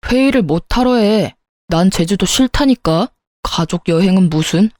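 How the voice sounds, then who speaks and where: A woman voicing a stubborn, short-tempered middle-aged father who shouts and bullies indignantly in a storytelling reading. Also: mid-range voice, expressive, moderate pace, no echo, clean studio sound, close to an everyday voice. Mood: angry.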